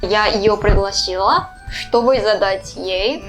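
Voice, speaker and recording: A woman's voice: mid-range voice, slow, faint music behind, low-quality recording. A woman in her twenties with a Korean accent, a native Korean speaker, hosting a casual vlog interview. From South Korea. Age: 20s. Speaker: host.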